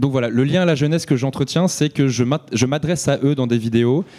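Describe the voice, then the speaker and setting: A man speaks at a fairly high pitch with a dark, mellow tone. The recording is very clean, with a silent background. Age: 30s. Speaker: moderator and geopolitics YouTuber. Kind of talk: panel discussion.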